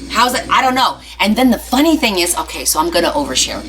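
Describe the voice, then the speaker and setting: Chatty, lively woman livestream host. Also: medium pitch, quick pace, slight background noise, poor audio. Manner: chatty, animated, addresses viewers. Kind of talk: casual livestream chat.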